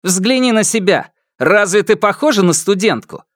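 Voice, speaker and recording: A man's voice: high voice, expressive, normal speed, no room sound, studio quality, voice pushed up. A man voicing a stubborn, blunt teenage schoolboy in an audiobook, curt and indignant. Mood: angry. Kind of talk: audiobook character voice.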